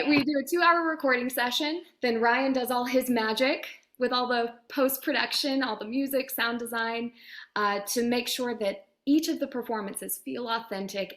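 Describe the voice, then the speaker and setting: A woman's voice: a little high, fairly bright tone. A woman talking as an interview guest in an enthusiastic, chatty, emphatic conversational manner, explaining her work as a producer and director.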